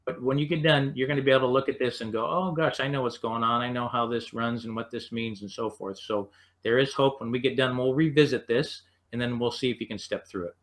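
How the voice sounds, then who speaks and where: American man teaching, halting explanatory delivery. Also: mid-range voice, steady tone. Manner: explanatory, halting, stepwise phrasing. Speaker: HVAC instructor. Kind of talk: unscripted slide lecture.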